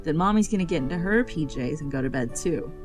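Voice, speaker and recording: An actress playing a tired, worried mother in an audio drama, soft-spoken, gentle and a little hesitant. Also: deep voice, lively intonation, quick pace, over music. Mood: gentle, motherly. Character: tired, gentle young mother hiding her worry. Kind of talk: audio drama acting, domestic dialogue.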